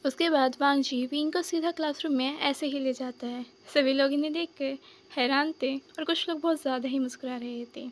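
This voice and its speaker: A woman's voice: sits high, fairly even intonation, moderate pace. A woman hosting her channel, reading her own fan story aloud in a conversational storytelling way. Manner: conversational storytelling with speech tags.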